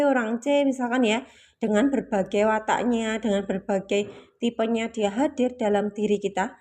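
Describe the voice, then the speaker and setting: A woman's voice: on the high side, a little mellow. A woman giving a reflective spiritual talk to her listeners, patient and explanatory, often repeating her key points. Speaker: spiritual teacher.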